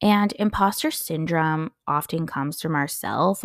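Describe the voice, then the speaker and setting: This woman's pitch is very deep and low, and her tone is animated. The sound is dry and close, with no echo. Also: very clean recording, silent background. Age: 30s. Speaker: life coach and podcast host. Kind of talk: solo podcast monologue.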